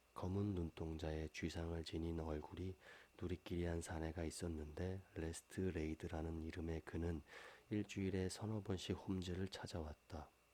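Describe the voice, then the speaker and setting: In a very deep, low pitch, a man speaks with a dark, mellow, calm, soothing tone and monotone, flat intonation. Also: moderate pace. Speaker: actor. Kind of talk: sleep story.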